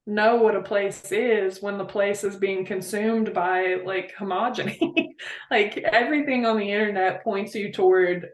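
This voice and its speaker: A woman chats as an interview guest, heartfelt and rambling, full of "like" and "you know". Her voice sits at an ordinary middle pitch. The sound is roomy, with a clear echo around her. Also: unhurried. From Appalachia, West Virginia. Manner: heartfelt, rambling, many fillers. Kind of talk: casual interview chat.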